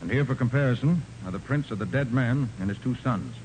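An actor playing a confident, dry-witted American private detective in 1940s radio style, brisk and assured. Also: male voice, medium pitch, darkish tone, lightly acted. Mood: assured, matter-of-fact. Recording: noisy old 1940s radio recording.

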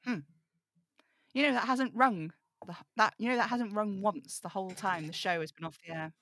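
A woman plays a weary embodiment of death who hosts a radio show, speaking. She is sardonic and brooding, in the manner of an audio drama lead. The voice sits at a medium pitch in a dry, echo-free recording. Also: normal speed, a bit bright. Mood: dry, evasive. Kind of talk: audio drama table read.

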